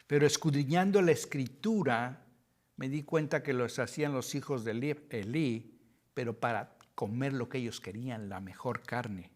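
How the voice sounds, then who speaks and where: A middle-aged man with a Mexican Spanish accent leads a Bible study in an earnest teaching tone. His pitch sits in the ordinary middle range for a man. He often stumbles and restarts a word before pushing ahead with his point. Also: normal speed, darkish tone.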